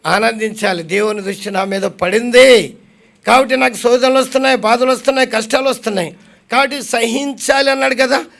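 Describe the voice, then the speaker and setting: A man from India preaches with a very high, gravelly voice. He keeps firing questions at the congregation and answers them himself. When he reads scripture aloud, he slows right down. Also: fairly even intonation, fairly bright tone. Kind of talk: sermon.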